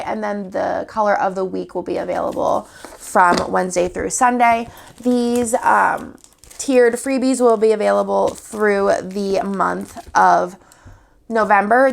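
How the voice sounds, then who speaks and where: Upbeat young woman, sniffly cold, gravelly fry, medium pitch, casual shop-owner vlog. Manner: chatty, upbeat, walks through items one by one. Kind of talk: casual product showcase.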